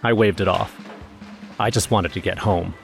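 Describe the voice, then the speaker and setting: Uneasy young narrator, lowish voice, scripted horror storytelling, music underneath. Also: male voice, fairly even intonation, moderate pace, vocal fry. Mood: uneasy, tense. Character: anxious, easily embarrassed young man, the story's narrator. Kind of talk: first-person scripted horror narration with acted dialogue.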